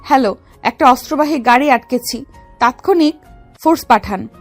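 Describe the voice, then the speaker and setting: A woman's voice: sits high, normal speed, dry recording. A woman playing a bold young female gangster and secret officer in a dramatized love story, commanding yet affectionate. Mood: cold, commanding. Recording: music under the voice.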